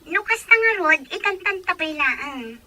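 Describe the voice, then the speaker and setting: A woman playing a humble, understanding young girlfriend in an audio drama, speaking gently and politely. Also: high voice, very animated, normal speed, exaggerated voice.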